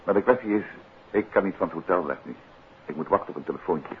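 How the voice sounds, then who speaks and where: An actor playing an unruffled gentleman detective and teasing husband in a 1950s radio play, wry and courteous. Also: low voice, quick pace, lightly acted. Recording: muffled, hissy 1950s radio recording.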